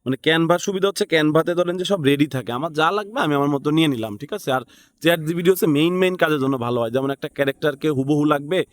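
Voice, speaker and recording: A man's voice: fairly high pitch, rapid-fire, no room sound. Bangladeshi man teaching casually, dry close sound. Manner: thinks aloud, often seeks agreement with short tag questions. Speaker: tutorial instructor. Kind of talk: casual step-by-step screen tutorial, unscripted.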